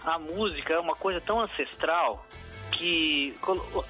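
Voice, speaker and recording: A man from the south of Brazil with a marked regional accent speaks as a guest on a radio program. His voice is bright and somewhat high, and he thinks aloud through his answers with many hesitations and restarts. Faint music can be heard under the broadcast. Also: measured pace. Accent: southern Brazilian Portuguese. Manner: reflective, many fillers and restarts.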